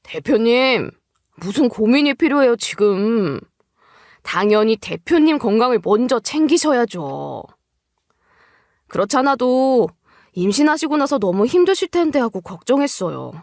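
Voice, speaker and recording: A woman's voice: a little high, no room sound, studio quality. A woman voicing a confident young male junior colleague, reassuring and deferential, in an audio story.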